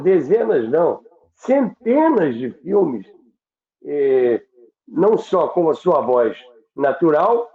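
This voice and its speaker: A Brazilian man hosting a reminiscing talk, halting and repeating words as he searches for them, on a roomy, dull recording. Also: on the high side, mellow. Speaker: host of a radio history show.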